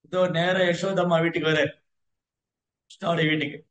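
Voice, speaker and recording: A man's voice: a little high, flat delivery, fairly quick, fairly bright tone, echoey room, a little hiss or hum. A man teaching as a Vaishnava lecturer in a storytelling way, slipping English words into his talk. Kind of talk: devotional lecture.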